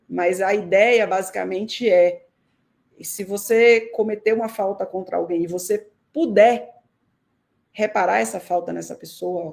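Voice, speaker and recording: This guest researcher, a woman from Salvador whose accent marks her as Northeastern Brazilian, responds to live-stream interview questions via video call. Her voice is medium in pitch, gravelly and darkish, and her replies are measured and thoughtful, broken by many hesitations.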